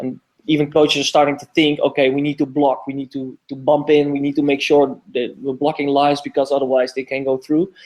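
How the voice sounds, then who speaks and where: A man with a fairly high pitch talks at a fairly quick pace in a monotone, flat intonation. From Netherlands. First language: Dutch. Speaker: field hockey player. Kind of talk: podcast interview. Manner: halting, many fillers.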